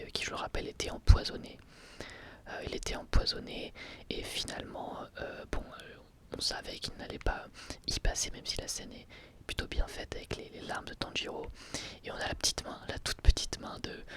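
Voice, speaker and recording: Whispering softly in ASMR style, a channel host goes over an anime episode, frequently pausing on filler words.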